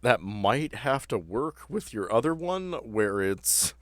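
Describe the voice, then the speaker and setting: A man's voice: on the low side, big pitch swings, slow, no room sound. A man chatting casually as game master of a tabletop roleplaying podcast, talking players through rulings in an informal, joking way.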